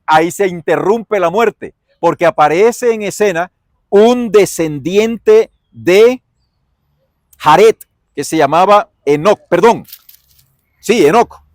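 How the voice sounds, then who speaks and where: A man with a Colombian accent teaching a Bible lesson as a pastor, in a folksy, animated way that asks and answers his own questions. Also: sits high, no room sound, studio quality. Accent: Colombian Spanish.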